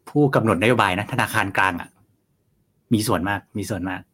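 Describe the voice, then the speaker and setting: A man's voice: lowish voice, brisk, a bit bright, husky. A man appearing as a guest market commentator on a casual live finance talk show, chatty and rambling, with many fillers.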